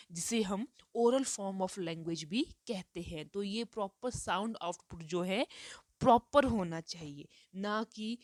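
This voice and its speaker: A woman's voice: mid-range voice, no echo, clean studio sound. Woman teacher asking rhetorical questions. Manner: explains step by step with rhetorical questions. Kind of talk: Hindi lecture mixed with English terms.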